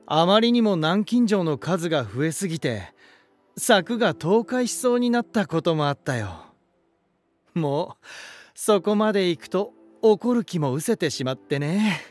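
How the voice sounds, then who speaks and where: An actor playing an elegant, romantic lighthouse spirit in a voice drama, gentle and warm, with poetic, softly teasing delivery. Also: male voice, high-pitched, very animated, a little slow. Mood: wistful, fond. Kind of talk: Japanese voice drama monologue and dialogue. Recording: music behind. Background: music.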